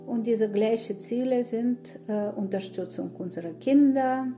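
A woman in her sixties from Ukraine, answering interview questions in a halting way with many pauses and fillers. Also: fairly high pitch, music in the background. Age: 60s. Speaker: guest, association founder.

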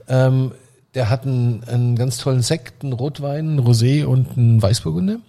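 A man's voice: mid-range voice, steady tone, a little fast, dark tone. A Belgian-accented man from Belgium hosting a wine bar chat, jovial and joking. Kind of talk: casual chat.

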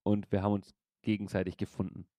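A man's voice: lowish voice, completely flat delivery, quick pace, dark tone, no echo. Guy in his 30s hosting a chill podcast, rambly, laughs a lot, dry close sound. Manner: rambling, laughs often, swears casually. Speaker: podcast host and streamer. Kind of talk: casual chat.

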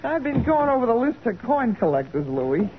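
A woman's voice: a little high, sing-song, moderate pace. A woman playing a hard-boiled, cocky gangster boss with a brash, slangy American delivery in a 1940s radio crime drama. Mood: smug, scheming. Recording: scratchy, narrow-band 1940s radio recording.

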